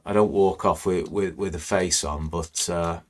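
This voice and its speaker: A man hosts a live stream, commenting on stock screens in a rambling, conversational way full of fillers. His voice is croaky and a little hoarse today. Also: sits low, steady tone, a little slow. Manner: conversational, rambling, many "you know" fillers. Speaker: trading educator hosting live stream.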